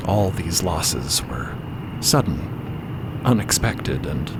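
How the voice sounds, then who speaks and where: A man's voice: deep voice, sing-song, very slow, heavy background noise. A man narrating a scripted story with wry, conversational asides. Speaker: podcast narrator.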